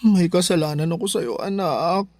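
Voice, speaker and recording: A man's voice: high voice, moderate pace, darkish tone, no room sound. A man with a Filipino accent playing a motherly, stern yet forgiving gay man in an emotional radio drama. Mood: guilty, apologetic. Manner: scolding and pleading, emotional. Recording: music bed behind the voice.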